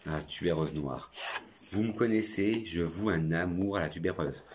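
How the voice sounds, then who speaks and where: A man's voice: low-pitched, normal speed, a little mellow, slight background noise. A French man reviewing perfumes in a chatty, effusive vlog. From France. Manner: chatty and effusive, talks to himself. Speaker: perfume youtuber.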